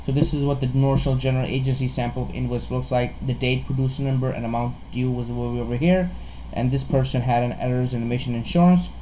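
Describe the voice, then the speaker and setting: A man with a medium-pitched, relaxed and dark-toned voice talks through an informal tutorial. He speaks haltingly, repeating words and restarting phrases as he explains. There is faint noise behind him. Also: rough recording. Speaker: insurance broker presenting a tutorial. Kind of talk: informal screen-share explainer.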